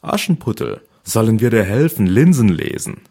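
A man's voice: lowish voice, big pitch swings, normal speed, gravelly, mellow, breathy edge, heavily acted. A man doing kindly helpful doves.

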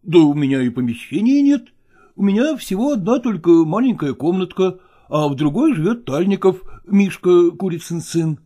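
A man's voice: high-pitched, lively intonation, normal speed, warm tone. A man reading aloud, voicing an evasive actor who nervously wriggles out of his lover's pleas. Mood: flustered. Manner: evasive, flustered, sighing.

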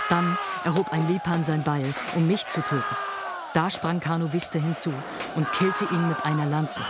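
A man's voice: on the high side, heavy background noise, close to an everyday voice. An actor playing an earnest young Native American warrior, telling his story solemnly in a radio drama. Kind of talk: dramatic first-person narration in radio play. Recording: loud music under the voice.

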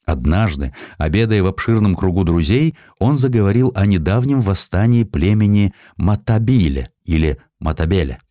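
A man with a deep voice narrates a historical essay as scripted storytelling. His delivery is theatrical and expressive, with a wide, swooping range of pitch. The recording is dry and close, free of room sound. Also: normal speed, hardly any pauses, dry recording. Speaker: audiobook narrator.

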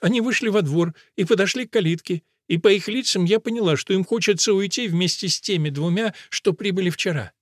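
A man's voice: high voice, fairly quick, hardly any pauses, no room sound, pitched above the performer's own voice. Man doing a sly stubborn young woman, pleading, soothing, dry recording.

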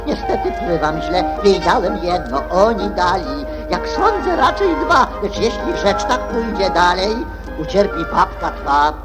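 A fussy rabbit herald from a storybook radio play. The delivery is declamatory and slow, with lively swoops and loud music on the old recording. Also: female voice, lowish voice, poor audio. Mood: formal. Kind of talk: theatrical children's audio play.

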